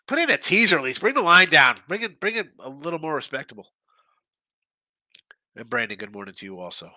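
A man's voice: fairly high pitch, sharp tone, dry recording. Congested, stuffy-nosed male betting host. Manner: chatty and loose, with frequent restarts and asides. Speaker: sports betting show host. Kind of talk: casual live-stream chat reading viewer comments.

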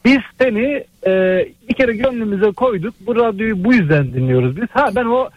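A man's voice: sits high, lively intonation, dry recording, dull audio. Man calling in over a landline phone. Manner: hesitant, many drawn-out "e" fillers, earnest and praising. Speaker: radio call-in listener. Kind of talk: phone-in call to a sports radio show.

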